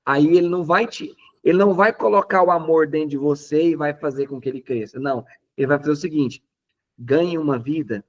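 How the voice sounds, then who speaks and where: A man with a Brazilian Portuguese accent preaching a lively, conversational sermon. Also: on the high side, lo-fi sound. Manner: animated, emphatic, conversational preaching. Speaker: pastor.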